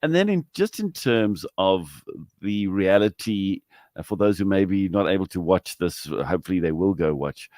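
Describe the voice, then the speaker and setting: Guy hosting radio, really lively swoopy pitch, dry studio sound. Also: moderate pace, no room sound. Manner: chatty and animated, with laughs and "uh" fillers. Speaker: radio host. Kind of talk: radio interview. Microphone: studio microphone.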